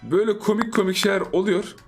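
A man's voice: high-pitched, fast talker, faint music behind. A young man giving playful gameplay commentary for his channel, joking, teasing opponents and laughing often. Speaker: gaming YouTuber.

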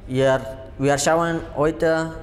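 A young man from Afghanistan, a native Dari speaker, introducing himself slowly and hesitantly in limited German, into a handheld mic. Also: fairly high pitch, fairly even intonation, in a large hall. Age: young adult. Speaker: young workshop reporter.

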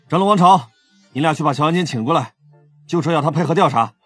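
An actor playing a teasing, confident young police team leader in an audio drama. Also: male voice, on the high side, expressive, fairly quick, breathy edge, no echo. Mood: brisk, commanding. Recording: faint music under the voice.

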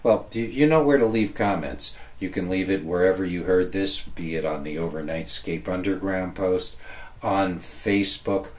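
A man hosting a podcast alone, chatting casually in a halting, digressive ramble. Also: deep voice. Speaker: podcast host. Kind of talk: rambling solo casual chat.

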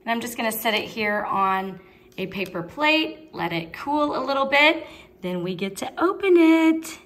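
A woman's voice: fairly high pitch, big pitch swings, a little slow, fairly bright tone. Bubbly middle-aged woman vlogger. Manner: bubbly, upbeat, laughs often. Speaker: co-host. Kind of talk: casual chat to camera. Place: indoor home studio set.

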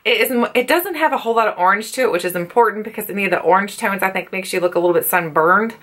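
A woman's voice: mid-range voice, fast, fairly bright tone. A woman in her thirties giving a casual, chatty and candid product review to camera, recorded indoors in a bedroom. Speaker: beauty vlogger.

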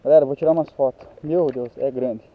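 A young man with a Brazilian Portuguese accent, out of breath, talking excitedly to viewers as he lands a fish on a riverbank. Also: medium pitch, quick pace, narrow, tinny audio, a little hiss or hum. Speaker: fishing vlogger. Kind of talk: excited outdoor fishing commentary. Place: outdoors on a riverbank. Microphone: handheld camera mic.

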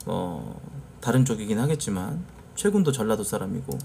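A man's voice: fairly low pitch, very animated, normal speed, vocal fry, mellow, slight background noise. A man from the Jeolla region, a live streamer chatting casually with viewers and telling stories, acting out the lines he quotes. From Jeolla, South Korea.

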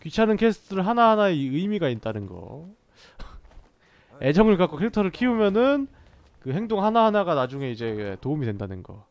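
A man with a high-sitting voice, big swings in pitch and a moderate pace does casual let's-play commentary as a gaming streamer. He jokes and banters with the on-screen characters, and the recording comes through a dull lo-fi mic.

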